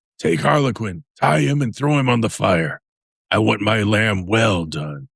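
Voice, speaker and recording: Putting on a character voice, a man speaks in a raspy, fairly low register at a moderate pace, his pitch swinging very widely. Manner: yelling.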